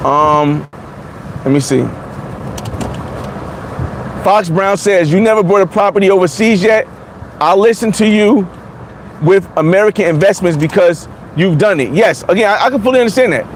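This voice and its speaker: Forty-something man, high-pitched, blunt and repetitive vlogger, faint street noise behind. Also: moderate pace, long pauses. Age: 40s. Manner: blunt, repetitive, many restarts. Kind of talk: casual livestream chat reading comments.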